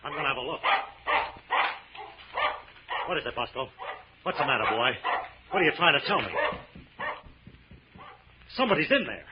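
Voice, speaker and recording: An actor playing a steady, commanding crime-fighting hero, firm and earnest, in 1940s radio drama style. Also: male voice, a little high, moderate pace, long pauses. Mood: insistent. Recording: very noisy, muffled old radio recording.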